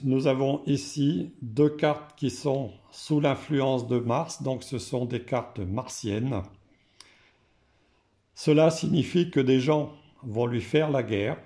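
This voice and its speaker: Hoarse French man, gravelly and mellow, unhurried card reader with frequent fillers. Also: mid-range voice. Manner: slow and hesitant, frequent "euh" fillers. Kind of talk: casual explanation to camera.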